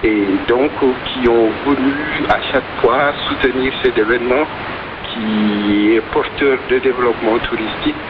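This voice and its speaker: A man answering a radio interview in halting, hesitant phrases, heard over shortwave radio. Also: medium pitch, steady tone. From Senegal. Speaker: festival organizer being interviewed. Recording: noisy, dull shortwave radio reception.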